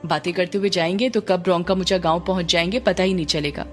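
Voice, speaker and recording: A woman's voice: lowish voice, steady tone, quick pace, soft background music, natural voice. A woman voicing a young man who keeps coaxing and teasing his friend in a pushy way. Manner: insistent, coaxing.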